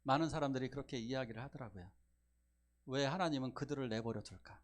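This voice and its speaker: A middle-aged man preaching a Sunday sermon as pastor, swinging from loud emphatic rises to quiet low asides and acting out family members' words. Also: quick pace. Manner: acts out family members' lines in quoted speech.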